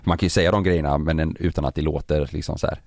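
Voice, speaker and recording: A man with a very low voice tells a story in casual chat with friends. He acts out every quote and swears freely. The sound is dry and close to the mic. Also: steady tone, creaky, a little mellow, no room sound. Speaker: podcast host telling a story.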